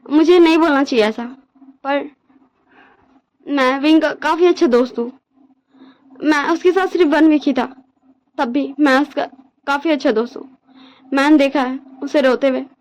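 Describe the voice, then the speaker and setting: A calm young man speaks softly and evenly, quietly reproaching someone, as a woman storyteller puts him on. His tone is measured and lecturing. It is told as a storybook read-aloud. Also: sits high, natural voice, rough recording.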